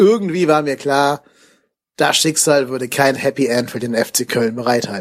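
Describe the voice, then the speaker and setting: A man with a normal speaking voice talks at a moderate pace in a fairly high pitch, with ordinary pitch variation. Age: 30s. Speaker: football fan sending voice message. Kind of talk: recorded voice message.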